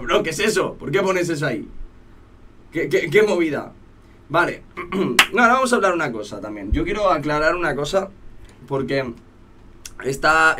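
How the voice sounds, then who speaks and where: A man's voice: on the high side, pushed and bright. A young man from in casual chat with his stream viewers, rambling and restarting his sentences as he reads chat aloud.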